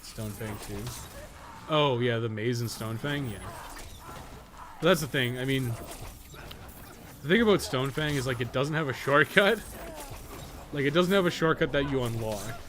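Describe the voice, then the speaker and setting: A man's voice: mid-range voice, normal speed, long pauses, a bit bright, slight background noise. A man giving casual live gameplay commentary, thinking aloud in a rambling way and swearing casually. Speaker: podcast co-host and game guide writer.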